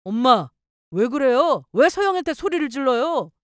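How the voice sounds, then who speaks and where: A woman's voice: high-pitched, big pitch swings, moderate pace, dry recording, clean studio sound, voice pushed up. A woman voicing an adult husband who speaks earnestly and reproachfully to his mother. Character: adult son and husband, firm and protective.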